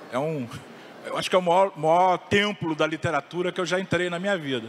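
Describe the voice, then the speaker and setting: A man speaks at a fairly quick pace with ordinary pitch variation. His voice sits high for a man. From Rio de Janeiro, Brazil. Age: 60s. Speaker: moderator, filmmaker and author. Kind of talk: panel discussion.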